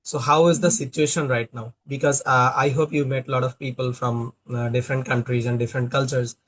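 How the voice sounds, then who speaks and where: A man's voice: medium pitch, fairly even intonation, a little fast, fairly bright tone. Bangladeshi man asking questions in practice chat. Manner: questioning, filler-heavy, restarts. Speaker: conversation partner, small YouTuber. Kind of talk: casual practice conversation.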